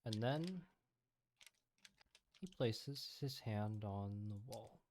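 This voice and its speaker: A man's voice: fairly low pitch, slow pace, a little mellow, a little hiss or hum. A man running a tabletop role-playing game, moving between narration and casual banter as game master.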